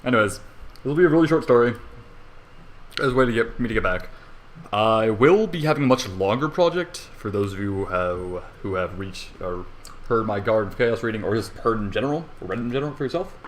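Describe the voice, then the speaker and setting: This young man casually narrates fan fiction at home in his bedroom, swearing and wandering into self-mocking asides. He talks briskly in a fairly low voice with lively intonation, over a faint hiss or hum.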